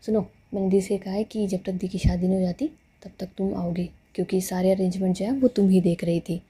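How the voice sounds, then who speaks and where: A woman's voice: medium pitch, fairly even intonation, brisk, warm tone, breathy edge, pitched below the performer's own voice. A woman voicing a playful, sarcastic young woman who teases her girlfriend. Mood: teasing. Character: teasing, bossy young woman in love.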